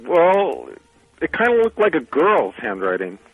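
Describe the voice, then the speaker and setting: A man's voice: a little high, wildly swooping pitch, measured pace, no room sound, faint music behind. A man in his late thirties calling in to a radio show, talking in a plain, earnest, slightly awkward way. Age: 30s. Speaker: caller. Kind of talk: phone-in chat. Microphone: telephone. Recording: tinny phone line.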